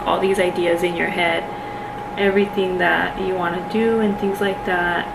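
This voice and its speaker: A woman with a Spanish accent talks through her makeup in a loose, chatty way, leaning on "like" and "you know". She sits away from the camera mic, so her voice sounds distant in the room. A clear air-conditioning hum runs under her the whole time. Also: mid-range voice. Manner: chatty, filler-heavy, many "like"s and "you know"s. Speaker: beauty vlogger. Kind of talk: casual get-ready-with-me chat.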